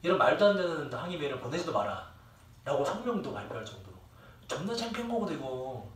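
A man's voice: a little high, big pitch swings, fast, a little hiss or hum. Cursing, rambling male teacher, echoey room. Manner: swearing, rambling, joking with students. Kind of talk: classroom lecture. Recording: echoey room, distant mic, faint ambience.

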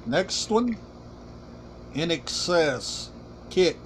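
A middle-aged man hosting a casual collection vlog, talking deliberately in short, halting, emphatic phrases. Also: a little high, animated, a little hiss or hum. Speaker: collection channel host. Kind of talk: casual show-and-tell vlog. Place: small room indoors.

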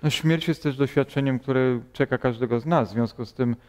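A man's voice: mid-range voice, fairly quick, long reverb tail. A man hosting a studio interview, asking probing questions with hesitations. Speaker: host. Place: bright TV studio, seated in armchair.

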